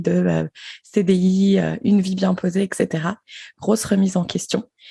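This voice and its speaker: Somewhat breathy, a woman speaks at a moderate pace and medium pitch with a dark, mellow tone, the sound dry and close with no echo. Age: 30s. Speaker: engineer and podcaster. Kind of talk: personal testimony. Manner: hesitant, many fillers.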